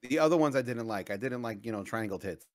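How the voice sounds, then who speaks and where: A man's voice: mid-range voice, expressive, quick pace. A man co-hosting a casual podcast chat, blunt and opinionated, joking freely as he talks. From Latin America. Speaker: podcast co-host.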